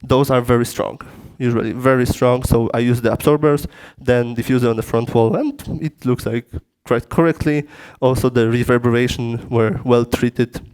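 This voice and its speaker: Halting Polish-accented man lecturing. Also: medium pitch, fairly even intonation, darkish tone, poor audio. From Poland. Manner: halting non-native phrasing with frequent restarts. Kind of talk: technical lecture. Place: conference room. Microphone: through a PA system.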